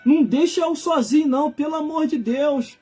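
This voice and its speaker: Brazilian male livestream preacher, 40s, high-pitched, colloquial and insistent delivery over music. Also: normal speed, warm tone. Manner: emphatic, colloquial, repeats phrases for effect. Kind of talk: informal live sermon.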